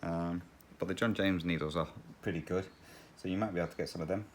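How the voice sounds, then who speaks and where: A man's voice: low voice, fairly even intonation, fast talker, a little hiss or hum. A man hosting a cross-stitch channel, chatting casually and rambling while he stitches, often laughing.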